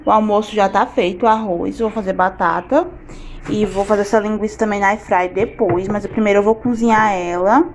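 A woman's voice: medium pitch, fairly even intonation, a little fast. A woman, chatting casually on a phone camera while unpacking groceries in her home kitchen. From Fortaleza, Brazil. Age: 20s. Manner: chatty, listing items as she unpacks. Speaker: family vlogger. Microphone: handheld phone camera. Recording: noisy home with washing machine.

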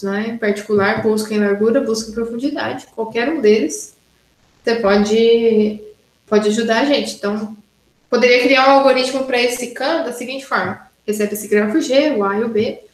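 Her voice sits on the high side, captured in a roomy space on a low-quality recording. This university lecturer teaches online, going through exercises one step at a time and constantly checking on students with "né?" and "tá?"

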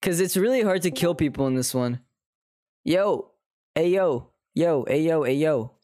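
A man's voice: a little high, expressive, unhurried, mellow. A young man streaming a game, chatting casually with a friend in a loose, joking, profane way. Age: teens. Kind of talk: casual gaming chat.

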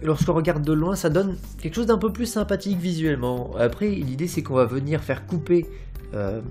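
A man's voice: fairly high pitch, a little fast, a little mellow. Casual man narrating a build. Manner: rambling and informal, many fillers and "hop", playful. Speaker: Minecraft building tutorial host. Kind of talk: casual gameplay tutorial narration. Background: faint background music.

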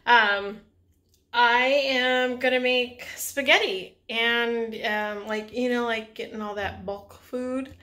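A woman's voice: fairly high pitch, steady tone, takes it slowly, bright, forceful tone. A woman vlogging casually from her home, rambling with lots of fillers and little laughs as she vents her frustration. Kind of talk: casual vlog chat.

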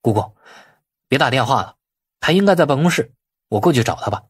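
A deferential younger nephew in an audiobook story, voiced by a male narrator. His tone is curious and questioning, with lively intonation and a faintly husky grain. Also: medium pitch, brisk, dry recording, clean studio sound. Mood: quietly probing. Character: polite, curious younger nephew, a company chairman. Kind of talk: dramatised audiobook dialogue.

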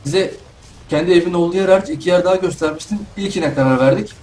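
A man's voice: high voice, racing, a little mellow, a little hiss or hum. Chatty young man doing game commentary. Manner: chatty, talks to himself and the animals. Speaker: gaming YouTuber. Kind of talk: casual let's play commentary.

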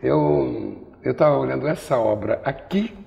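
A man's voice: medium pitch, measured pace, creaky, mellow, long reverb tail, muffled recording. An older man from Brazil interviewing in an artist's studio on a lapel mic, telling wry, digressive stories. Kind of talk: rambling conversational interview.

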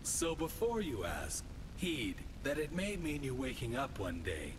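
A man's voice: mid-range voice, wildly swooping pitch, measured pace. A man playing a menacing, imperious aristocrat who strikes sinister bargains in a fantasy video game, with theatrical delivery. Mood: haughty menace. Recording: noisy amateur game capture.

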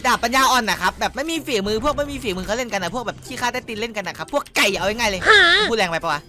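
A young man giving excited, crude gameplay commentary as a streamer, boasting and shouting at opponents. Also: high-pitched, very fast. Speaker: gaming streamer. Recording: music heard clearly behind the voice. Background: game music.

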